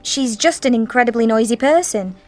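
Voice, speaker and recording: A woman's voice: on the high side, fairly quick. A woman performing a scripted office dialogue for an English course, talking in a fretful, complaining way. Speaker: dialogue actor in course audio. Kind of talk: scripted role-play dialogue.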